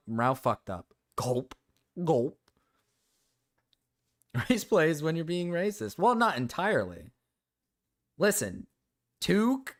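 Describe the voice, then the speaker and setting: Animated male livestreamer with swooping pitch. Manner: joking, repeats his phrases. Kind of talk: casual chat reacting to viewer comments.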